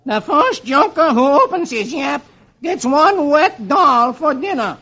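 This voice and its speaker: A man's voice: extremely high pitch, sing-song, unhurried, bright, forceful tone, voice pushed up, heavily acted. A man doing a grumbling young army private. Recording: dull old radio recording with music.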